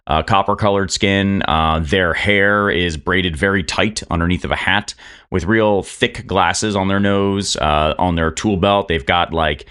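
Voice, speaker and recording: Deep-voiced game master, rambling. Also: male voice, steady tone, a little slow, a bit bright, clear, resonant tone. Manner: rambling, filler-heavy. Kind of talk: narrating a tabletop game.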